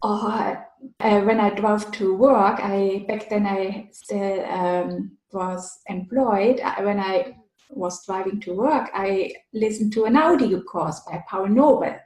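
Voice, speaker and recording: A language teacher who hosts her own channel conducts a casual video-call interview, offering earnest advice as she thinks aloud. Her mid-range voice is slow and darkish, and the recording has a roomy echo.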